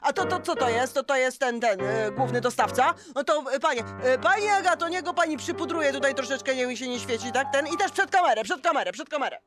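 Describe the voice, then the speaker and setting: An impatient, bossy TV director acted out by a performer in an improvised children's radio play. The voice is high, with music clearly behind it. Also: lively intonation, fast, hardly any pauses. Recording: music under the voice.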